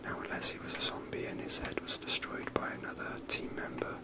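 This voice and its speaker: A person whispering softly and breathily in a casual, rambling ASMR commentary while playing a video game. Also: a little fast.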